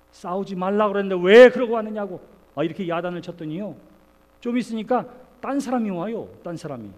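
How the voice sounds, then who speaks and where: A middle-aged male pastor preaching an earnest sermon, moving between soft, confiding lines and loud exclamations. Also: sits high. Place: church sanctuary. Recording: long church reverb.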